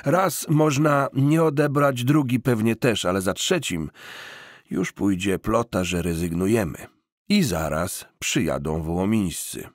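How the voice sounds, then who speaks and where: A man reading as a gruff, husky gangster. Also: fairly low pitch, a little slow, dry recording, clean studio sound. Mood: annoyed, resigned. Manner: muttering, blunt, foul-mouthed street talk.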